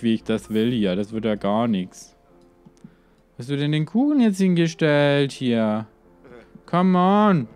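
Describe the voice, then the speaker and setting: In a mid-range, darkish voice, a let's player comments on a life-simulation game. He rambles in a relaxed way, keeps speaking to the in-game characters, and tags his sentences with "hier" and "ne."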